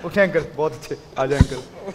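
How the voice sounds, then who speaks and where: A man hosting a game show, announcing rounds loudly and with energy. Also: on the high side, normal speed, big-room sound, heavy background noise.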